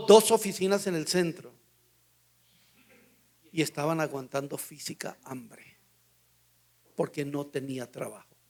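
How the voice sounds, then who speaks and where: An older man with a Colombian Spanish accent, a pastor teaching a Bible study through lively anecdotes with acted-out dialogue. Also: on the high side. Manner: storytelling, acts out dialogue in quotes.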